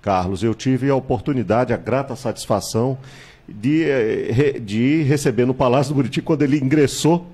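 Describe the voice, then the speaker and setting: A man, a candidate recounting his life in a studio interview, measured and reminiscing, with hesitations and tag questions, on a handheld mic. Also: medium pitch, darkish tone, slightly rough. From Salvador, Bahia, Brazil. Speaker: political candidate, guest. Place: small TV studio with virtual set.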